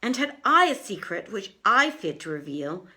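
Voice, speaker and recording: A woman voicing an anxious, flattering male jeweler in a storybook, speaking earnestly in ornate old-fashioned phrases. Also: mid-range voice, normal speed. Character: frightened, flattering male jeweler telling his ordeal.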